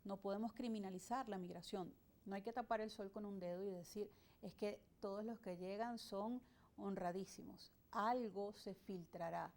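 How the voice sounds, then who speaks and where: A woman from Venezuela, an immigration lawyer, answering interview questions in a measured, explanatory way with frequent hesitations. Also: medium pitch, dark tone.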